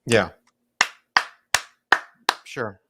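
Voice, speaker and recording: A man's voice: extremely slow, very noisy. Male co-host with a dry, teasing delivery, loose and conversational. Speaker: comedy show co-host. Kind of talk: casual comedic banter.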